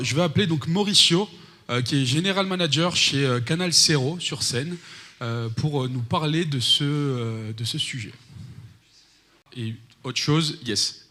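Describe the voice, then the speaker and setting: Man moderating a developer conference, bright voice, hesitant. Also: medium pitch, normal speed. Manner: hesitant, many fillers. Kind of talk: introducing a speaker. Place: conference stage.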